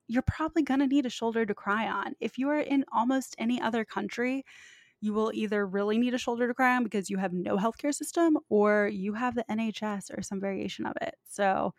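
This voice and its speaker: Woman in her twenties from the US, podcast host, gravelly voice, upbeat and direct with listeners. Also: on the high side, brisk, no room sound, clean studio sound. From United States. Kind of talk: casual chat.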